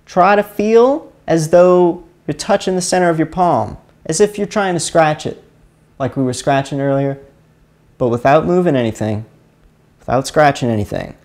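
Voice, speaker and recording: A man's voice: fairly high pitch, normal speed, darkish tone. A man with a Louisiana accent from around Chalmette, hosting a live stream and talking casually through a hands-on exercise, rambling and often repeating himself. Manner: rambling, fumbling, repeats words. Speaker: live stream host teaching energy healing.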